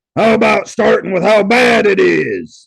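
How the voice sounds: A man puts on a growling, raspy character voice. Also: moderate pace.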